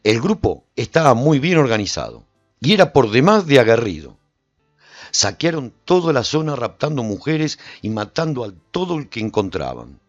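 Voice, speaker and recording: A proud, solitary warrior recounting his adventures as a radio serial. His delivery is theatrical and very lively in pitch, rising and falling with the tale. The sound is dry and close, with a slightly muffled top end. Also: normal speed, no echo, soft background music. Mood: proud storytelling. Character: lone warrior man recounting his post-apocalyptic adventures, proud and vivid. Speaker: narrator and lead actor of a radio serial. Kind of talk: dramatic first-person radio storytelling.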